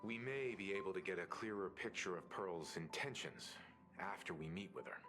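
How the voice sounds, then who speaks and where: An actor playing a calm, courteous, mature advisor in a video game, measured and articulate. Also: male voice, sits low, music in the background, natural voice. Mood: thoughtful.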